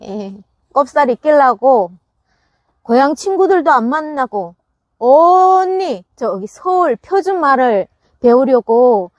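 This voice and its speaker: A woman's voice: high-pitched, lively intonation, takes it slowly, dry recording. A woman chatting casually to her viewers about gardening, laughing often and restarting her sentences as she talks. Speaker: gardening channel host. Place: farm greenhouse.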